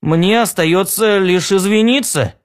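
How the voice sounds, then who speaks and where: A man's voice: high-pitched, unhurried, pitched above the performer's own voice. A man reading the part of a cheerful, courteous and reasonable driver, in a raised voice. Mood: genial. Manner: courteous, genial.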